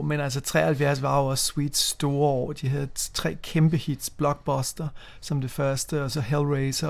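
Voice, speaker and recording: Creaky-voiced Danish man, hesitant. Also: mid-range voice. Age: 50s. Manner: hesitant, repeats words while recalling memories. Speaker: co-host. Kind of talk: casual radio chat about music.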